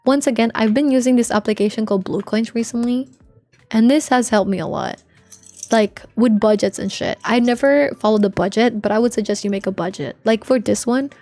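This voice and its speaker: A woman livestreamer with a soft, quiet voice, chatting informally and playfully with viewers and swearing now and then. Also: no room sound. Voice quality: soft, low-volume voice, unlike their usual loud one. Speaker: live streamer. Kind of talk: casual livestream chat with viewers. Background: faint music.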